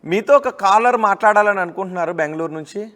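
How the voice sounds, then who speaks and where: A man interviewing a guest on a news channel. He is brisk and rephrases callers' questions for the guest. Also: high voice, a bit bright.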